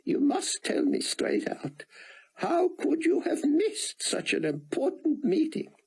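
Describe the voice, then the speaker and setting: A man voicing an exuberant elderly male scientist with a thick Israeli accent, in a high, lively voice. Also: slow pace, vocal fry, exaggerated voice, low-quality recording. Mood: earnest.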